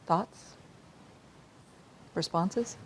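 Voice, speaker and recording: A woman's voice: very slow, noisy background. A woman giving a conference talk, casual and conversational, inviting the audience to respond. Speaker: conference speaker.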